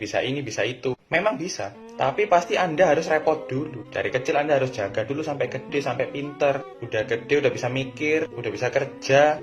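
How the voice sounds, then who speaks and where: A young man giving casual, preachy advice to parents and kids, animated and lively in delivery. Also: medium pitch, muffled recording. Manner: animated, preachy, acts out quotes. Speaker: vlogger.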